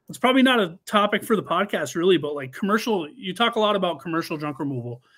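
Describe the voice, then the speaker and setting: A man with an American accent at a very fast pace, his pitch swinging very widely, against a quiet background. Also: big swings in loudness. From western Massachusetts. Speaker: construction foreman and dumpster business owner; podcast guest. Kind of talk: casual chat. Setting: remote call from home. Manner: halting, many fillers. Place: home room.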